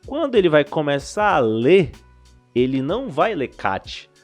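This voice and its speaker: A man's voice: on the high side, unhurried, soft background music. A Brazilian man, a language school director, explaining things in a casual podcast interview, restarting his sentences often. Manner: animated explainer with frequent restarts.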